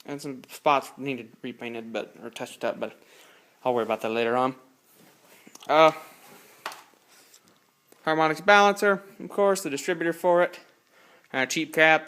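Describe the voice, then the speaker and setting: A man's voice: a little high, fairly bright tone, smooth. An eighteen-year-old man casually walking through his car project in a home garage, rambling and correcting himself as he films on a phone. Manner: rambling, self-correcting, plain-spoken. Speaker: hobby car builder. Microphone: handheld phone camera.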